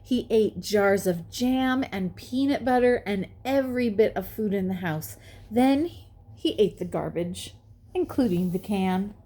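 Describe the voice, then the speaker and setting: Woman doing kids storytime, soft-edged mellow voice, takes it slow with dramatic pauses. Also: medium pitch, lively intonation. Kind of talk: expressive children's picture-book read-aloud.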